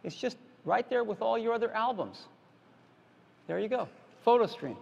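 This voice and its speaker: A man's voice: high-pitched, animated, normal speed, creaky, a little mellow, lo-fi sound, slight background noise. A man presenting a product keynote on a large stage, explaining features in a plain, repetitive, emphatic way. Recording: reverberant conference hall.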